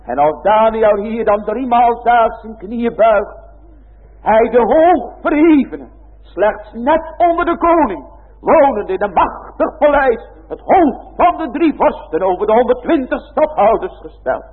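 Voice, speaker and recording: Husky preacher in a tinny hall. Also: male voice, very high voice, expressive, measured pace. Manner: solemn preaching cadence with archaic phrasing. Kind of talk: sermon. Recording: tinny phone-like sound in a reverberant hall.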